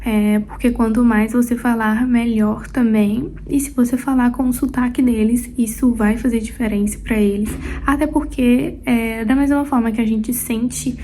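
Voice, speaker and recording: A young Brazilian woman with a Brazilian Portuguese accent talks viewers through exam tips in a loose, chatty way. Her voice sits a little high but mellow and soft-edged, and she stays level rather than swinging up and down. She leans on small hesitations and restarts, with a faint hiss underneath. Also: fairly even intonation, normal speed, hardly any pauses. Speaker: Spanish exam tutor and course creator. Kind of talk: casual explanatory talk to camera.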